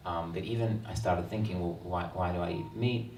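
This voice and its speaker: An Australian man in his thirties, an author speaking earnestly at a book launch, with many ums and pauses. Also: deep voice, steady tone, a little mellow, slight background noise. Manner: earnest, reflective, frequent ums. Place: event hall. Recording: roomy hall sound, mic at a distance.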